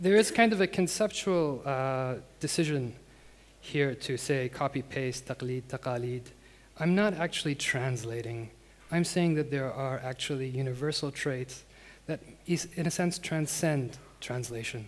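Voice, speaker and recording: Fairly slow delivery from a man, his pitch moving in an ordinary way. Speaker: conference speaker. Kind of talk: lecture. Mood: relaxed, humorous. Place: stage. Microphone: headset.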